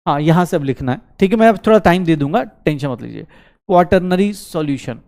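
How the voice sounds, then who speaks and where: A male chemistry teacher, giving an online class lecture in a brisk, coaxing way, asking questions and answering them himself. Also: on the high side, expressive, gravelly, a little mellow. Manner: mixes Hindi with English terms, calls students beta.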